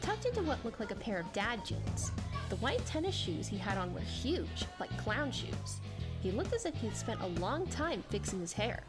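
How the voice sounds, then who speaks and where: A woman's voice: medium pitch, big pitch swings, moderate pace, loud music behind the voice. A woman reading a story as a scripted, dramatic narration.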